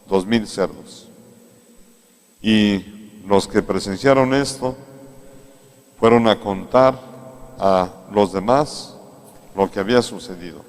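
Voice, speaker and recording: A man with a Mexican accent preaches a sermon, his low voice moving slowly and carrying a long echo through a large cathedral. He talks to the congregation in a plain, conversational way, taking his time and repeating his main points. The sound of the big stone room hangs around every word. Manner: unhurried, conversational preaching that repeats key phrases. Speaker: priest.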